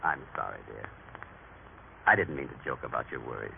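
A man's voice: extremely low pitch, expressive, brisk, gravelly, phone-quality sound, heavily acted. An actor playing a proud, emphatic family father in an old radio drama, with a theatrical, paternal manner. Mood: fond, teasing. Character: proud, stern, affectionate husband and father, prejudiced. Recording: noisy, band-limited vintage radio recording.

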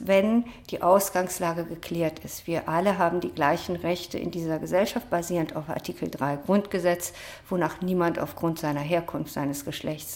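A woman author answering interview questions in a measured, academic way, with frequent hesitation sounds. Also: on the low side. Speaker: author and social scientist, interview guest.

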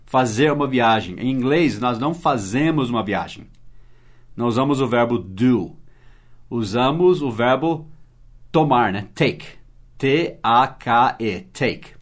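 A man's voice: mid-range voice, measured pace. A man from Brazil teaching English in a podcast lesson, explaining patiently, spelling words letter by letter and often checking that the listener follows. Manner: asks frequent rhetorical checks.

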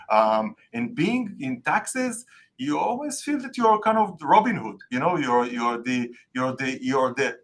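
A man's voice: mid-range voice, fairly bright tone. A man with an Israeli accent, a native Hebrew speaker, answering interview questions in English and often searching for words. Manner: many fillers, searching for words. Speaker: guest tax expert.

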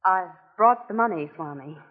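A woman's voice: on the low side, animated, normal speed. A woman playing an earnest, anxious young woman in an old radio drama, with hesitant, emotional phrasing. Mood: nervous. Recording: thin, dull old radio recording.

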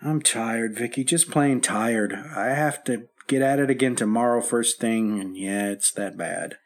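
Weary radio-drama husband. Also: male voice, medium pitch, unhurried. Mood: tired, downbeat. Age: 30s. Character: weary husband in his late thirties, tired and downbeat. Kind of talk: old-time radio drama acting.

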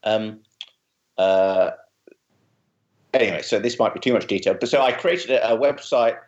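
A man's voice: on the low side, normal speed, dull audio. A man from London with a posh, very proper southern English accent, chatting casually and wryly on a podcast. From London, England. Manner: very proper, well-spoken. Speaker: podcast guest, writer and comic character creator. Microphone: remote video call.

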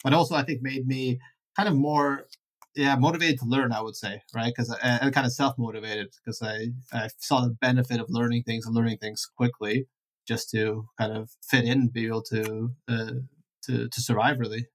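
A middle-aged man of average pitch, born in Ukraine and raised in Canada. He answers reflectively and at a measured pace, pausing and correcting himself as he goes. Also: level tone, low-quality recording. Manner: thoughtful, measured, self-correcting. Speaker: guest entrepreneur.

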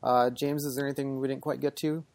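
A man's voice: mid-range voice, little pitch movement, a little mellow, no room sound. A man hosting a podcast who talks casually about a film and passes the talk to his guests. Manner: quick, easygoing, leads the talk and hands over to guests. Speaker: podcast host.

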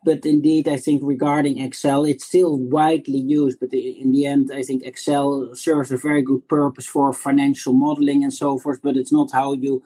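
A man's voice: mid-range voice, level tone, normal speed, hardly any pauses, mellow, rough recording. A middle-aged man with a Dutch accent, a startup founder answering interview questions with many restarts and repeated words. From Netherlands.

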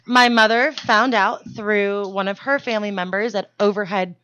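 Casting: woman podcast co-host, mid-pitched, profane and animated, dry close sound. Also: no room sound, lo-fi sound. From Denmark. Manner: fast, profane and animated storytelling. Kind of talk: casual comedic chat.

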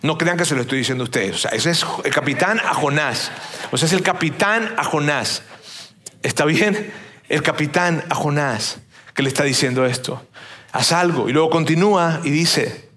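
A preacher delivers a casual, animated sermon. His voice sits high for a man. He slips into the voices of the people in the story as he tells it. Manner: lively, acts out the sailors' and captain's lines.

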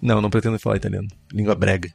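A man's voice: fairly low pitch, flat delivery, racing, creaky, darkish tone, no room sound, soft background music. A man with a gaúcho Portuguese accent, co-hosting a podcast in joking, teasing banter. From southern Brazil. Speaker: podcast co-host. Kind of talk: casual banter.

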